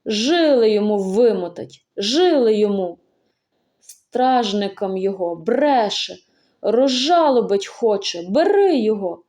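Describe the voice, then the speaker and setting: A suspicious old village man snaps scornful accusations, his voice climbing high with anger, as a woman reads him. The timbre stays mellow underneath. It is a storybook audiobook. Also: lively intonation, measured pace, lightly acted. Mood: accusing.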